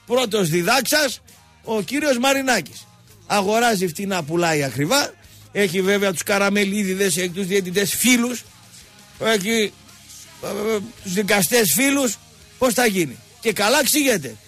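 Rambling about football, this radio sports show host mocks freely and wanders off into tangents as an animated storyteller. His voice sits high, and faint music plays behind his radio studio microphone.

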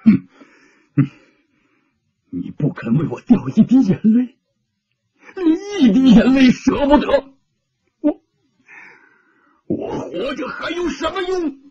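A man voicing a grief-crazed older male hermit who rants in a drawn-out, raspy way. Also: very high-pitched, wildly swooping pitch, dark tone, highs cut off, voice pushed up, heavily acted. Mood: raving.

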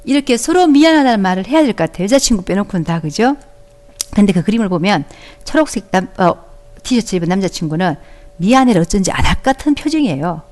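An elementary school teacher with a medium-pitched, expressive, darkish voice talks fast as she leads young children through an audio-only class. She asks encouraging questions and acts out their lines. A close microphone is used.

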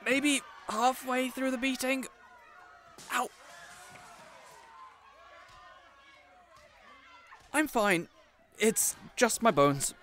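A man playing a boisterous, smug, cheerful superhero in an audio roleplay, talking loudly and triumphantly. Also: very high-pitched, very animated, slow pace, slight background noise, exaggerated voice. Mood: chipper. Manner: loud, triumphant, chatty. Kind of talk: character audio roleplay acting.

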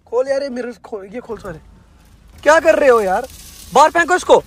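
High-voiced young man scolding in a car. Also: lively intonation, a little fast. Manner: exasperated scolding, repeating himself. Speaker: vlogger. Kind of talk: casual vlog chat. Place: inside a car.

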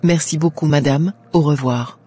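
A headstrong young orphaned daughter, acted by a woman in a Christian cartoon. Her voice is dark and mellow, her delivery dramatic and full of regret. Light music plays underneath. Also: low-pitched, normal speed, close to an everyday voice. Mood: tense. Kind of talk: amateur Christian cartoon dubbing.

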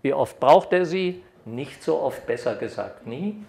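An older man giving an academic lecture at a podium microphone, lively when reading examples aloud. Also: medium pitch, unhurried, gravelly. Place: lecture hall. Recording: echoey hall.

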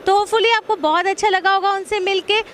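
A young woman TV reporter with a bright, upbeat delivery, interviewing an exhibitor at a busy indoor expo on a handheld mic. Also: extremely high pitch, fairly even intonation, fairly quick, a little hiss or hum. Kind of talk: expo stand interview and piece to camera.

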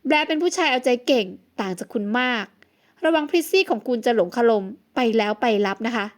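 A woman voicing a young model, a caring ex-wife who speaks softly, coaxingly and very politely. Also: sits high, animated, a little fast.

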